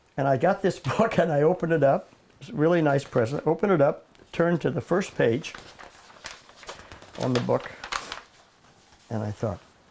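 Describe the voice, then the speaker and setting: A man with an American accent speaks at a moderate pace in a fairly high voice, pausing long and often over noticeable background noise. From US Midwest, Kansas City, Missouri. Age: 80s+. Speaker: Olympic rower. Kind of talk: interview storytelling. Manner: hesitant, many fillers.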